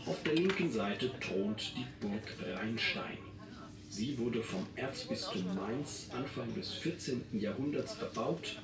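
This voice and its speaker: A recorded tour announcer reading sightseeing commentary over a boat's loudspeaker. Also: mid-range voice. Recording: boat loudspeaker, far, echoey, with diners.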